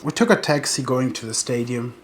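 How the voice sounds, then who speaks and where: A man's voice: medium pitch, lively intonation, brisk, a little hiss or hum. A man from Afghanistan, a professional bodybuilder, telling his life story in an earnest, determined interview monologue.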